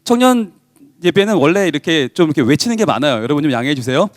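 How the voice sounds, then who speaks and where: A man's voice: a little high, big pitch swings, fast talker, no echo, studio quality. A male pastor giving a youth worship sermon, storytelling emphatically and acting out the dialogue. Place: church.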